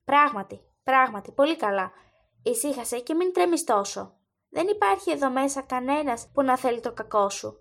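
A woman voicing a stern, ailing, heavyset old king who speaks tenderly and coaxingly to his son, in a lowered voice. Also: lively intonation, gravelly, fairly bright tone, full character voice.

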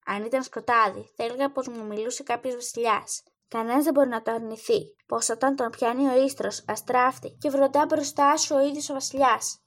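A gentle, loyal knight who muses aloud and mutters his thoughts, read by a woman narrator. The voice stays high and bright in pitch. The telling is thoughtful and quiet, like a storybook reading. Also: fairly even intonation. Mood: fond musing. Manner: musing, muttering to himself.

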